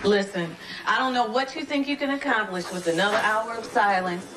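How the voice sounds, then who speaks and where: A woman's voice: medium pitch, a little fast, heavy background noise, lightly acted. A woman playing a stern, no-nonsense police captain with a formal manner in a TV crime drama.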